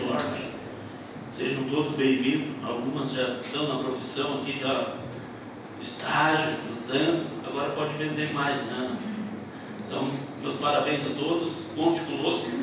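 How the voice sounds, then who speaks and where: A man in his thirties from southern Brazil, makes a courteous, welcoming speech as an official at a ceremony. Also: medium pitch. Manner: courteous, welcoming, holds a handheld mic. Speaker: sub-delegate giving a speech. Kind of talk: formal greeting speech. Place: large indoor hall. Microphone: handheld mic, recorded from a distance. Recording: echoey hall, distant mic, noisy.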